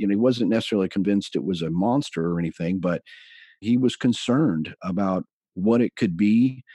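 A man with an American accent and a dark, mellow tone, fairly quick pace and ordinary pitch variation, in a dry, close recording with no echo and a quiet background. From Texas. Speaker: author and cryptid researcher. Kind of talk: interview.

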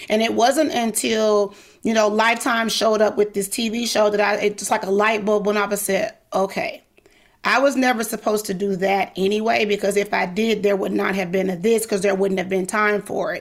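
A woman's animated, fairly quick delivery at a medium pitch, in a Mississippi accent. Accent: Southern US, Mississippi. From US South, Mississippi. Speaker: dance coach and studio owner. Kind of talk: interview.

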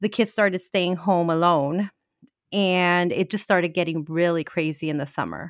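With a normal speaking voice, a woman talks at a moderate pace and fairly low pitch, her intonation fairly even. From Mexican-American household, US. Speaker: podcaster, mother in blended family. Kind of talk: interview guest, personal story.

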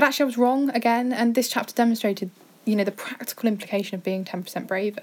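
This woman talks at a very fast pace with fairly even intonation. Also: fairly high pitch for a woman. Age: 20s. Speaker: history graduate and trainee teacher. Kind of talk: recorded reflection.

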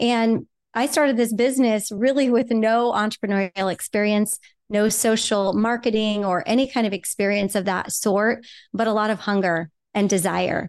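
Speaking in an ordinary speaking voice at a moderate pace, a woman with a fairly high pitch keeps her intonation fairly even and her loudness very even, in a dry, close sound with no echo and a quiet background. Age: 40s. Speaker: entrepreneur and coach. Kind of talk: casual interview.

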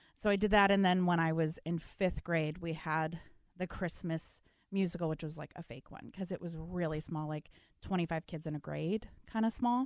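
An unremarkable speaking voice with an American accent, moderate pace and ordinary pitch variation, on a very clean recording with a silent background. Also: woman, fairly low pitch for a woman. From US Midwest, Illinois and Ohio. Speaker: Broadway actress. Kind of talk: casual interview chat.

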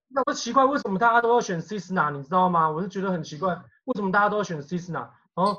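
A man with a Taiwanese accent, high-pitched, raised and projected, lively in intonation, at a very fast pace. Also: big swings in loudness. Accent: Taiwanese Mandarin. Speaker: flight instructor. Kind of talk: casual chat.

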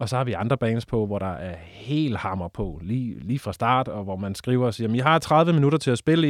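This man talks at a fairly quick pace with hardly any pauses. His pitch sits in the medium range, and his intonation is lively. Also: quiet background. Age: 40s. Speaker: festival organizer and music programmer. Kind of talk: casual interview. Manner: halting.

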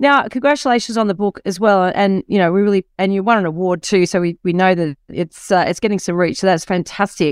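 Speaking with an Australian accent, a woman talks at a fairly quick pace with a medium pitch and ordinary pitch variation. The sound is dry and close with no echo. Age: middle-aged. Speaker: podcast host, buyer's agent. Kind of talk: casual interview.

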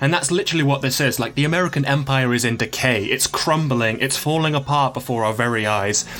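At a very fast pace with hardly any pauses, a man speaks in an animated tone at medium pitch with ordinary pitch variation. His loudness stays very even, and there is noticeable background noise. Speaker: podcast co-host. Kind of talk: casual political commentary on a live stream. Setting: live stream recorded, reacting to TV broadcast. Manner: animated, irritated, rant-like.

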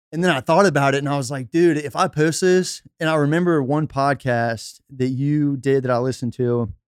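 The recording is very clean, with a silent background. A man with a fairly high pitch speaks in an ordinary speaking voice at a fairly quick pace, with ordinary pitch variation. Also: hardly any pauses. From Cincinnati, Ohio (born in Texas). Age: 20s. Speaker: fitness challenge participant. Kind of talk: podcast interview. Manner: casual, filler-heavy.

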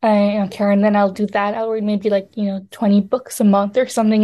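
With a quiet background, a woman of medium pitch speaks at a moderate pace, her tone dark and mellow and her intonation monotone and flat. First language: French. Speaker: author. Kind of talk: interview. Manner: hesitant, repeats words.

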